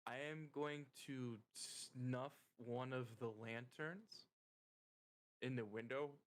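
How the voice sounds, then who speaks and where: A man playing a tabletop game with friends, a loud talker in casual chat. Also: mid-range voice, takes it slowly. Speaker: player in an online tabletop game.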